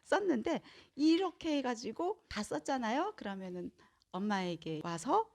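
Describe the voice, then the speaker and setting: A woman who is a parenting educator, explaining to viewers in an animated way and acting out bits of dialogue. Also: on the high side, a little slow.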